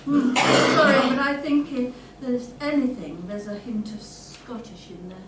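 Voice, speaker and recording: A woman's voice: fairly high pitch, steady tone, a little slow, natural voice. A woman playing an over-courteous, smarmy game show host in a comedy sketch. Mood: sceptical. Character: polite, smarmy game show host of an antiques panto spoof. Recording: echoey room, distant mic, clear noise.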